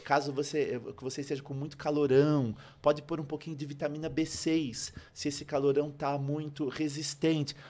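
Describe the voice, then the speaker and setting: A Brazilian man with a slightly high-pitched voice talks as a guest expert on a podcast. He explains things in a didactic, conversational way, repeating phrases for emphasis and asking questions that he then answers. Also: level tone, normal speed, hardly any pauses, darkish tone. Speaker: guest pharmacist on a health podcast. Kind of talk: animated explanatory podcast talk.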